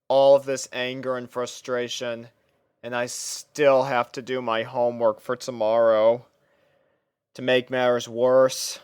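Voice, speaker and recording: A man narrates a first-person story in a clear, smooth voice with theatrical expression. He plays an exasperated student telling of his home life. His pitch sits in an average range for a man and the sound is dry and close, with no room echo. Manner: expressive, theatrical delivery with sighs. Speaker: fan fiction reader.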